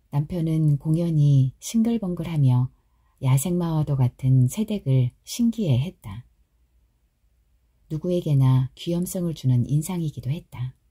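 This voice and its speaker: A woman reading a short story aloud as a calm, soft bedtime audiobook narrator. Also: low-pitched, husky. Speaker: audiobook reader.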